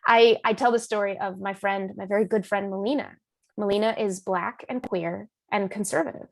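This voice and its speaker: A woman author being interviewed, speaking in an animated, emphatic and informal storytelling way. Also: mid-range voice, moderate pace, vocal fry, no echo. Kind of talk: conversational storytelling in a public talk.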